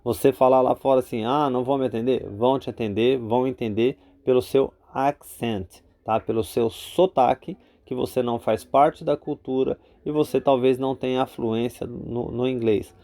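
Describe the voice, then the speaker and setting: A man's voice: mid-range voice, steady tone, normal speed, hardly any pauses, mellow. A Brazilian man with a Brazilian Portuguese accent, teaching English vocabulary in a casual spoken lesson, full of fillers and repeated "tá?" check-ins.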